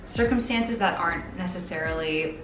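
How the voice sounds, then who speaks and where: A woman's voice: lowish voice, moderate pace, noisy background. A woman in her twenties chatting casually in a bubbly, playful, hyperbolic way as a sewing vlogger. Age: 20s. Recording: roomy echo, music behind. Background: music.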